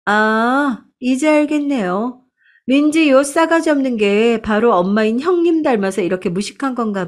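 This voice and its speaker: A woman voicing a snobbish, scornful middle-aged aunt who sneers and scolds. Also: fairly high pitch.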